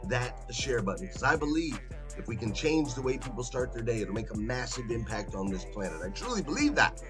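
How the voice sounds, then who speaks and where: A man hosting a motivational morning livestream, hoarse as if losing his voice, talking emphatically and chattily straight to his listeners and repeating phrases for effect. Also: mid-range voice, sing-song, brisk, music in the background. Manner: folksy, chatty direct address to listeners. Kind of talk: motivational live talk to an audience.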